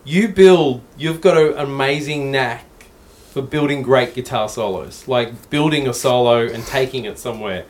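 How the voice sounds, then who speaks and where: A man's voice: mid-range voice, normal speed. A man hosting a casual interview, talking with eager enthusiasm and casual swearing. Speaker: podcast host.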